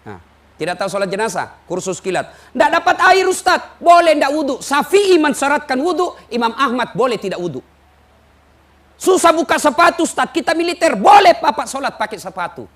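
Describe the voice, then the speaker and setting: A man preaching a humorous sermon, telling stories with mimicked voices and lively rising questions. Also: extremely high pitch, brisk. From Indonesia.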